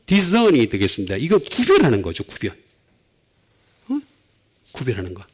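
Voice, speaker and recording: A middle-aged male pastor preaching a sermon, with sudden swings between loud and soft. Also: medium pitch, huge pitch swings, normal speed, breathy edge.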